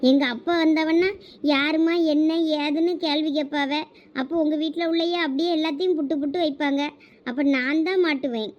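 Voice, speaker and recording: A woman's voice: high voice, steady tone, brisk, darkish tone, dull audio, natural voice. A woman with a Thoothukudi Tamil accent playing a young college girl who nervously scolds her friend. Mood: fretful. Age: young adult. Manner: scolding, worried. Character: anxious college girl scared of her father. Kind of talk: village comedy skit acting.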